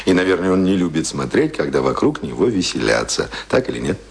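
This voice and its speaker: A man's voice: low voice, sing-song, brisk, gravelly, full character voice. An actor playing an ardent, stubborn young self-taught working man in a radio play, arguing and declaiming passionately. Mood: mocking, indignant. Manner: passionate, argumentative, swelling from pensive murmur to loud declamation. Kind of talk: theatrical radio play acting.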